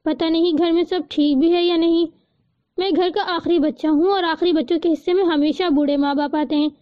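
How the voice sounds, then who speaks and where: Woman reading as homesick young student, soft, sorrowful, high voice, storybook reading, dry recording. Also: fairly even intonation, no echo, highs cut off.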